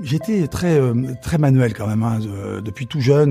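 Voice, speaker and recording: Music plays in the background as a man talks. His pitch is medium, with ordinary variation. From Paris suburbs (Yvelines), then Touraine. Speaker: chef. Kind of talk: interview. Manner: halting, many fillers and repetitions.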